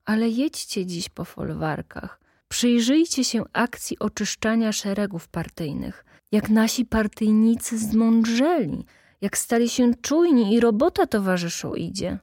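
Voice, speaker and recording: A woman's voice: on the high side, animated, unhurried, warm tone, no echo, clean studio sound. Woman reading an earnest young party official. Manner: earnest, lecturing.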